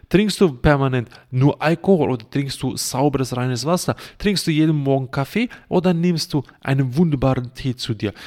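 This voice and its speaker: A man's voice: mid-range voice, darkish tone. Blunt, crude-talking man preaching health. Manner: blunt and crude, string of rhetorical questions; sarcastic. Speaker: self-help podcast host.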